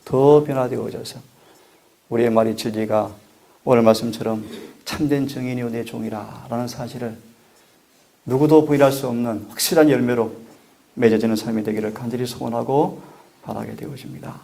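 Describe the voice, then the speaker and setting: A middle-aged man, a pastor, giving an earnest, measured sermon and asking the congregation for prayer. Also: medium pitch, fairly even intonation, gravelly, warm tone.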